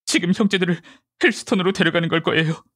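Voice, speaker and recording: A man voicing a polite, hesitant, shaken gentleman giving distressed testimony in an audiobook. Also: high voice, fast talker, no room sound, studio quality, pitched above the performer's own voice. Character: shaken gentleman witness recounting a family horror. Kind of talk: audiobook character dialogue.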